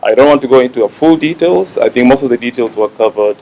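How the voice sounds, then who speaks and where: A man from a regional telecom body giving a formal speech, halting with fillers. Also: mid-range voice, dark tone, poor audio. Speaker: visiting official from a regional telecom organisation.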